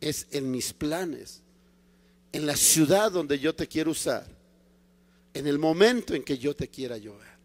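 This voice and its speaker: A man voicing God as a calm, stern, commanding figure in a sermon, speaking slowly and softly. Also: a little high, in a large hall, voice pushed down. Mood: firm. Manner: slow, hushed, firm and patient. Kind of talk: acted quote in a sermon.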